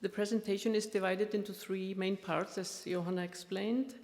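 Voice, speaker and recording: A woman's voice: medium pitch, steady tone, moderate pace, a little mellow. A middle-aged woman with an Icelandic accent giving an academic keynote talk, speaking carefully with frequent fillers. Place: large conference hall. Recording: long hall reverb.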